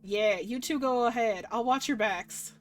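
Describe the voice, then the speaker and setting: A woman voicing a big, teasing older-brother god in a visual novel, relaxed and familiar. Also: on the high side, measured pace, lightly acted. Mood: easygoing.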